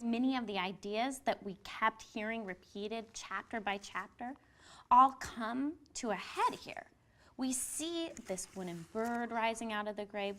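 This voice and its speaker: Woman teacher, bright and crisp, clear expressive delivery for a class read-aloud. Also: on the high side.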